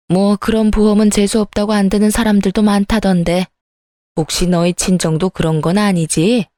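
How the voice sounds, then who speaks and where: A woman's voice: on the low side, darkish tone, no echo, studio quality, close to an everyday voice. A woman voicing a greedy, scheming middle-aged mother-in-law who talks down in a needling way. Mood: prying. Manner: condescending, needling.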